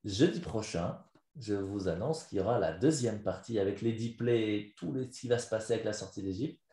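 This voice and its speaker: A man, a rabbi, giving a live lesson as a story, animated and quizzing his listeners. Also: on the low side, brisk. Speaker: rabbi teaching a class. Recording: echoey room.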